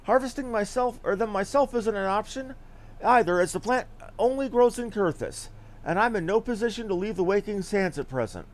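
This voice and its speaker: Guy doing a flustered bossy little lady from a game, high voice that bounces around a lot. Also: expressive, normal speed. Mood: coaxing, pushy. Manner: fussy, gushing, exclaiming. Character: small, flustered, chatty, bossy young lady. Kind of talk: reading game dialogue aloud.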